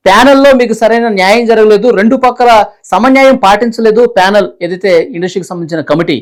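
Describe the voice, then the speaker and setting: Very fast-talking woman interviewer on a call. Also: mid-range voice. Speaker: interviewer, reporter. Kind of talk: phone interview questioning.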